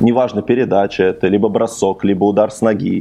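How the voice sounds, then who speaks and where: This man speaks at a fairly quick pace with ordinary pitch variation. Noticeable background noise runs behind him. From Moscow, Russia. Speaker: football goalkeeper. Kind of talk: interview. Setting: video call. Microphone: video turned off for better connection.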